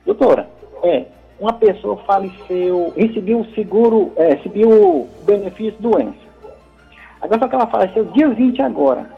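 A man heard over the phone as a call-in caller, talking hesitantly and filling his pauses. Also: sits high, lively intonation, creaky, husky, soft background music. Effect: heard over the phone line. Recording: muffled phone line.

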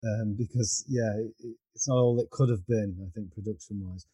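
A man's voice: lowish voice, fairly even intonation, fairly quick, dark tone, husky, no room sound. A man guest on a music podcast, talking hesitantly and trailing off in casual chat.

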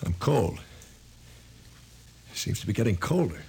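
An actor playing an uneasy but dogged newspaper reporter in a 1950s radio drama, blunt and nervous. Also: male voice, lowish voice, sing-song, a little slow, gravelly, a little mellow, exaggerated voice. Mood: uneasy, puzzled. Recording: noisy old 1950s radio recording.

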